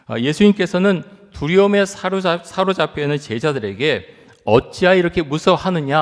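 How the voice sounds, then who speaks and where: A middle-aged male pastor preaches in a measured voice of ordinary pitch. He reads scripture slowly and deliberately and keeps turning to his listeners with questions. His voice carries a long reverb from a large church sanctuary. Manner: poses rhetorical questions to the congregation. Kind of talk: sermon.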